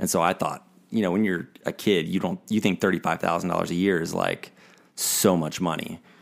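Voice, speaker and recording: A man with an American accent talks at a fairly quick pace. His very deep, low voice keeps fairly even intonation. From Utah. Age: 30s. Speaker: pizza restaurant owner. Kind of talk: interview.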